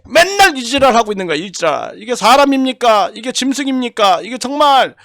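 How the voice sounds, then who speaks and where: High-voiced indignant older man, dry close mic. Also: sing-song, a little fast, vocal fry, fairly bright tone, no echo. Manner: indignant, rhetorical questions, repeated phrases. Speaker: YouTube commentator. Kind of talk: impassioned political commentary.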